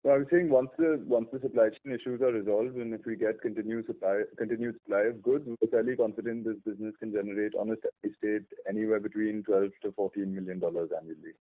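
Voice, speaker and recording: Exec guy talking fast on a tinny conference call. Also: on the low side, fairly even intonation. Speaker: company executive. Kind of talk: answering questions on an earnings call. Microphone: phone line. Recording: tinny, narrow phone line.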